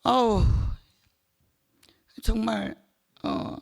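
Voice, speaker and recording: A middle-aged woman testifies before her church gathering in an unhurried, halting way. Her voice carries a gravelly edge, and she fills the gaps with hesitations and small laughs. It sounds personal and heartfelt rather than polished. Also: fairly high pitch, fairly even intonation. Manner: halting, with many fillers, laughing between phrases. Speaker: church member giving testimony.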